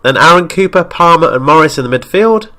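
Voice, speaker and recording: A man with a fairly high voice and a blocked-up nose from a coming cold talks through football game highlights. He narrates each pass as it happens and raises his voice at the near misses. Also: brisk. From Wales. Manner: excitable play-by-play, shouts at near misses. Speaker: gaming YouTuber. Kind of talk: game commentary.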